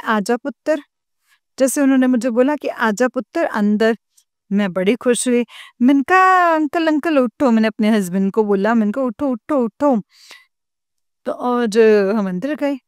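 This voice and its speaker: A woman telling her dream to a spiritual congregation, mixing English words into Hindi, with slow pauses and hesitations. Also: on the high side, a little mellow, smooth, no room sound, clean studio sound. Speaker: devotee sharing a dream experience. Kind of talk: personal testimony to a spiritual congregation.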